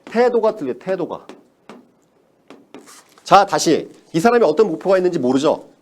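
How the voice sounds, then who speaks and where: A man's voice: high voice, very animated, normal speed, darkish tone. A man giving a motivational sales lecture, emphatic, repeating key words and asking the audience rhetorical questions.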